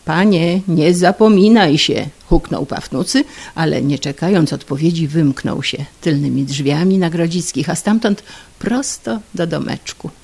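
A woman narrating an old humorous story in a lively, playful storytelling manner. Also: low voice, normal speed, gravelly, slightly rough.

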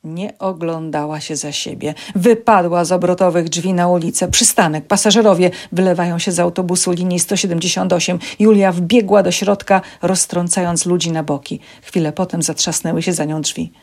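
A woman reading a passage of a novel aloud in measured, steady narration for a library program. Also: lowish voice. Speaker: audiobook reader for a library program.

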